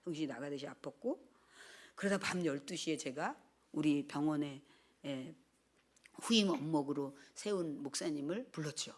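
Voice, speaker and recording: An older woman pastor giving a sermon testimony, telling her story with lively, animated delivery and acting out quoted speech. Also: sits low, normal speed, breathy edge.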